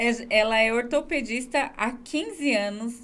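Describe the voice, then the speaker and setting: An animated tone at a fairly slow pace, with ordinary pitch variation. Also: woman. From Brazilian countryside. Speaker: web TV show host. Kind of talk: casual talk show chat.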